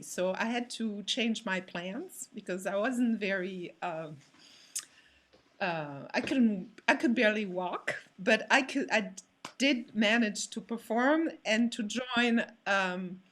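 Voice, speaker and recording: Slow-speaking woman with a French accent. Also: on the high side, a bit bright. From France. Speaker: physical theater performer. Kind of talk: casual panel interview.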